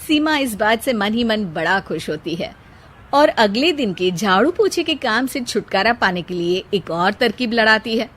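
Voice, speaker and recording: A woman giving scripted narration for a moral bedtime story, in an even storytelling manner. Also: medium pitch, moderate pace.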